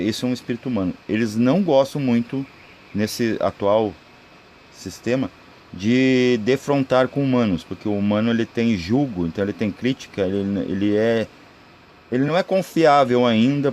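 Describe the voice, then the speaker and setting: A man's voice: medium pitch, a little mellow. Brazilian man teaching informally over background noise. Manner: rambling explanatory delivery with checking tags. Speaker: spiritual video creator. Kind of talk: informal spoken esoteric teaching.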